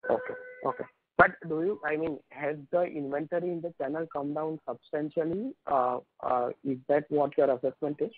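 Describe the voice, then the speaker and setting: A man with an Indian accent, working as an analyst, puts questions to management on a phone earnings call, sounding polite, wordy and hesitant. His voice is slightly high with a breathy edge and a normal pace. The line is dry, narrow and tinny.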